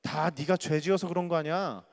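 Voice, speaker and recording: A man's voice: on the high side, steady tone, fairly quick, lightly acted. A man voicing Bildad, a self-righteous male friend who lectures bluntly and rudely. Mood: scolding. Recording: echoey church hall.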